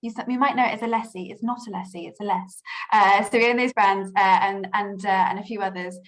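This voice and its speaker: Woman, 30s, heavily pregnant, rapid speech, chatty, video call. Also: medium pitch, steady tone. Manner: chatty, laughing, lots of fillers. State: heavily pregnant, bouncing on an exercise ball. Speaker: finance director, panelist.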